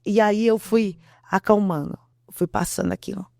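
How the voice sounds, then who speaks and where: Mulher brasileira dando testemunho emocionado. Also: female voice, medium pitch, fairly even intonation, moderate pace, vocal fry, darkish tone, no echo, studio quality. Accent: Brazilian Portuguese. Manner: earnest, repeats herself, acts out quotes. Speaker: interview guest. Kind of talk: emotional testimony.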